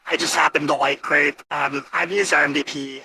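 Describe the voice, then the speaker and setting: A man casually walking through software, his voice turned gritty and grating by an AI voice changer. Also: a little high, steady tone, moderate pace, breathy edge, no echo. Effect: AI voice changer with screamy character model. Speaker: host demonstrating voice models. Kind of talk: casual live software walkthrough.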